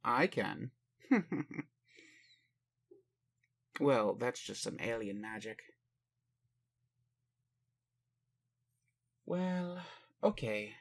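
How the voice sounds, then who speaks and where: A man acts out a male alien caretaker from a roleplay audio, talking slowly in a mid-pitched voice. He is formal and halting, endlessly puzzled by human ways. He questions the listener in a literal-minded but caring manner. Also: lively intonation, gravelly, full character voice. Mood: curious, yielding.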